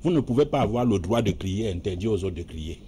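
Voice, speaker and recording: Low-voiced Cameroonian debate panelist. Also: male voice, expressive, quick pace, warm tone, slight background noise. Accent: Cameroonian French.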